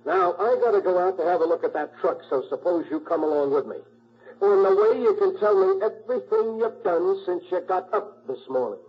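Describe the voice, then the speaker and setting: An actor playing a tough, blunt homicide sergeant with slangy speech in 1940s radio style. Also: male voice, sits high, very animated, brisk, creaky, full character voice. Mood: menacing, sarcastic. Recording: muffled old 1940s radio recording.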